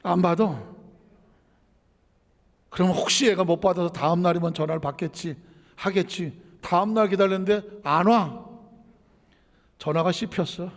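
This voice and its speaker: A man's voice: high-pitched, moderate pace, long pauses, long reverb tail. A male pastor preaching a sermon in a conversational way, asking rhetorical questions, telling a personal story and repeating phrases for emphasis.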